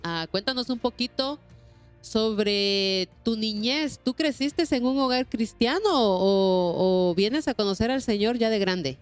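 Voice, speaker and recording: A woman's voice: on the high side, slow pace, faint music behind. A woman hosting a Christian programme, speaking in a courteous, devout, repetitive way. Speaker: host of a Christian testimony programme. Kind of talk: warm religious interview talk.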